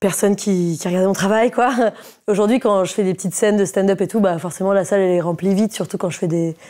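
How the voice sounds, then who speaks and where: The pace is very fast, with fairly even intonation. This woman's voice has a dark, mellow tone. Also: medium pitch for a woman, very clean recording, silent background. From France, Paris. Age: 30s. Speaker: comedian and influencer. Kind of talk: casual interview chat.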